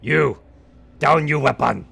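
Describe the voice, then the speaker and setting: A man's voice: a little high, a little slow, creaky, husky, voice pushed up, full character voice. A man voicing a brutish ogre guard who grunts broken commands. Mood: barking threats. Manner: forceful, grunting broken speech.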